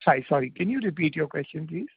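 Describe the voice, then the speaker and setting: A man with an Indian accent answers investor questions as a company executive, in informal, halting phrasing. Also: on the high side, lively intonation, gravelly, breathy edge, no room sound. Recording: tinny, dry phone line.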